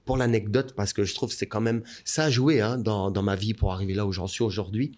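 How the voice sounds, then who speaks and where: A man, a guest telling a personal story in an interview, his voice rising as the story builds. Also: a little fast. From Belgium. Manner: animated storyteller, rising pitch as the story heats up.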